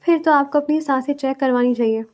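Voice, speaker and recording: A woman reading a story and voicing a defiant young bride who answers with quick, teasing retorts. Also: high-pitched, darkish tone, close to an everyday voice. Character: sharp-tongued young bride, defiant and feisty.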